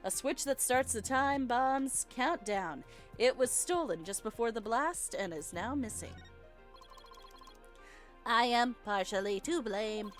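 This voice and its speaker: High-pitched theatrical woman reading game dialogue. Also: animated, slow pace. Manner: theatrical, playful. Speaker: let's player reading game dialogue aloud. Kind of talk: gaming playthrough with dramatic read-aloud of characters. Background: video game music.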